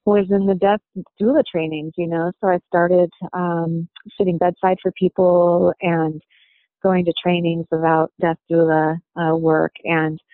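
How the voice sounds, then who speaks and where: A woman telling a personal story in an interview, reflective and halting, often pausing with "you know.". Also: lowish voice, little pitch movement, no echo. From United States. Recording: dry, tinny phone-like sound.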